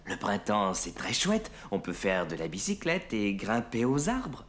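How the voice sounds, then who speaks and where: Casting: patient father in animation, reassuring, highly expressive pitch movement. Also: a little slow, heavily acted. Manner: reassuring, gently explaining. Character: patient, kindly father of a small boy. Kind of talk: French children's cartoon dialogue. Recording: music underneath.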